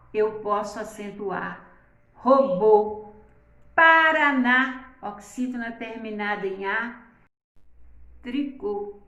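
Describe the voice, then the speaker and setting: Slow, high-voiced woman teaching grammar. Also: a bit bright, echoey room. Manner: drawn-out, syllable-stressing reading of words; uses the diminutive "palavrinha" and "né?". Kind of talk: slow, careful grammar lesson.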